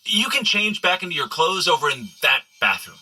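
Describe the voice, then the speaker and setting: An actor playing an excitable, joking superhero in a comedy audio adventure, speaking in an animated, exclaiming way. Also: male voice, high-pitched, brisk, background noise. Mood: cheerful.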